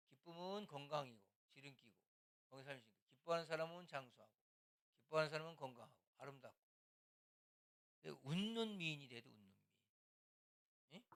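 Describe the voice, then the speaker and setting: A man's voice: on the high side, fairly bright tone, smooth. An older man, a pastor, teaching church small-group leaders in a loose, conversational way, now and then acting out scolding lines. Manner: conversational preaching, acts out scolding quotes.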